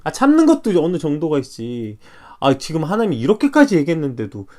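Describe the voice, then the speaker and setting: A man preaching a morning devotional sermon, animated and full of rhetorical questions. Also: a little high, a little fast. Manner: animated, acts out quoted dialogue, rhetorical questions. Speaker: pastor.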